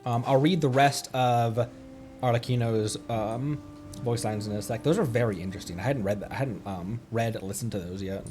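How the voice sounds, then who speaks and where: A man's voice: medium pitch, moderate pace, a little mellow. A man chatting casually on a game livestream, rambling as he thinks aloud. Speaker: livestreamer, VTuber. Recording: music behind the voice. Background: music.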